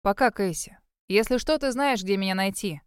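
A woman voicing a crafty, sly man who teases in a smooth, easy way. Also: mid-range voice, moderate pace, no room sound, clean studio sound, lightly acted.

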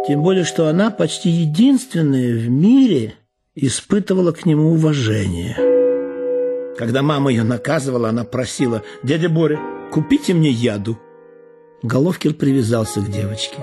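A man, an actor, reading literary prose in a measured, expressive way with deliberate pauses. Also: medium pitch. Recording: reading over background music. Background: music.

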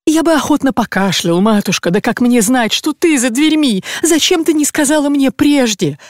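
A man's voice: high voice, moderate pace, a little mellow, no echo, studio quality, lightly acted. A reader voicing a fussy, evasive older provincial man who meekly pleads and dodges in an audiobook. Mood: meek pleading. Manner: flustered, meek pleading.

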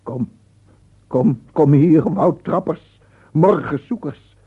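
A man's voice: fairly high pitch, slow pace, slightly rough, heavily acted. An actor playing a tormented, obsessive madman in a theatrical Dutch radio play monologue, intense and swinging from whispers to cries. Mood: desperate, calling out. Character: tormented, obsessive madman addressing imagined gentlemen. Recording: tinny, band-limited old radio recording.

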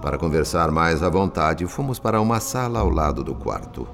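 A Brazilian actor playing a calm, compassionate male spirit who narrates a radio drama in a solemn, deliberate, literary manner. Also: low-pitched, vocal fry, faint music behind. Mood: solemn, reflective.

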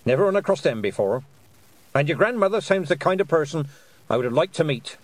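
A man's voice: on the high side, expressive, a little fast, dry recording, pitched above the performer's own voice, low-quality recording. A man playing a stern old witch. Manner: clipped, commanding. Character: stern thin old woman witch, proud and blunt.

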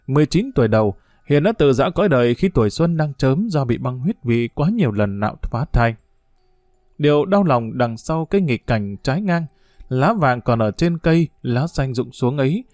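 A man's voice: mid-range voice, a little mellow, dry recording, clean studio sound. Man reading a grave news feature. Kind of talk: scripted documentary narration.

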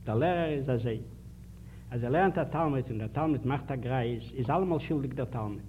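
A man's voice: mid-range voice, fairly quick. A man giving a public lecture, telling anecdotes and putting emphatic rhetorical questions to his listeners. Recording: tinny archival 1950s lecture tape with faint hiss.

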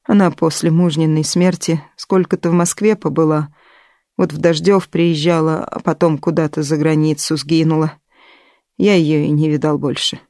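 A woman voicing a village priest who talks slowly in a guilty, folksy way. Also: sits low, level tone, mellow, no echo, studio quality. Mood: apologetic. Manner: slow, guilty-sounding, folksy. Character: village priest, apologetic, rambling man.

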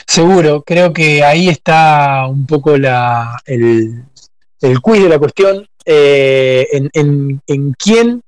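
A man's voice: a little high, slow pace, clear, resonant tone, dry recording. A man in a cultural discussion, speaking thoughtfully with frequent hesitations. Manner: thoughtful, hesitant, uses voseo.

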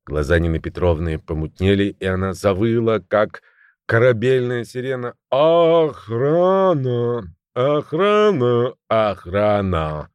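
A man reads a first-person audiobook story in a wry, ironic tone. His voice sits on the low side. The recording is dry and close, with no room echo. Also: darkish tone. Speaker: narrator.

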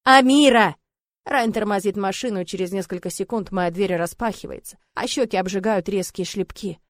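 A woman's voice: mid-range voice, steady tone, a little fast, darkish tone, dry recording. A woman narrating an audiobook in a tense, emotional first-person reading.

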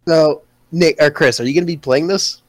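Excitable, foul-mouthed young man. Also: on the high side, fairly quick, dry recording. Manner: swears freely, excitable rambling. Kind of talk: casual chat.

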